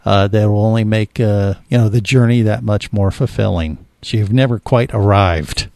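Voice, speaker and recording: A man's voice: fairly low pitch, normal speed, gravelly, darkish tone, dry recording, studio quality. A middle-aged man co-hosting an aviation talk show, rambling with lots of fillers and chuckles. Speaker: podcast co-host. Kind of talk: casual chat.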